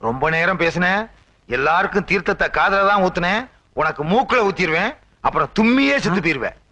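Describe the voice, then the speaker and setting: A man's voice: sits high, lively intonation, a little fast, bright, forceful tone, heavily acted. A man playing a comic fake swami in an older film, teasing villagers with mock-solemn curses given as blessings. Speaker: self-styled holy man. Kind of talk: 1980s film comedy acting.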